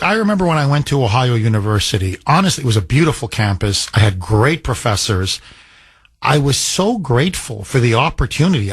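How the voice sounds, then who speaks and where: A man's voice: mid-range voice, husky, no room sound. A man hosting a talk radio show, taking callers and delivering emphatic commentary with repeated words.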